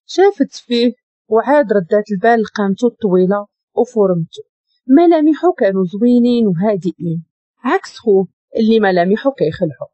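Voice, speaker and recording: A woman with a Moroccan accent narrating a dramatic story in an expressive reading. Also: medium pitch, fairly quick, no echo. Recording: dull lo-fi dry recording.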